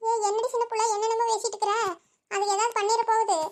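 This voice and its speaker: A woman's voice: very high-pitched, little pitch movement, quick pace, a little mellow. A woman voicing a fretful young village wife, in a cartoon. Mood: anxious. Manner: anxious, exclaims often.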